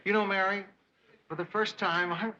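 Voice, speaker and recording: An actor playing a gruff, blunt, middle-aged male news boss. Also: high-pitched, fairly even intonation, moderate pace, pushed and bright. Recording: dull, very noisy old TV audio.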